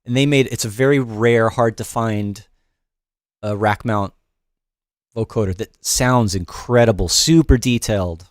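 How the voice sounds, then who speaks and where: A man's voice: fairly low pitch, unhurried, no room sound. A middle-aged man hosting a loose, off-the-cuff livestream music production lesson from his studio, greeting chat viewers with many fillers and restarts. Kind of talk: casual livestream tutorial, chatting with viewers. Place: home studio in New York.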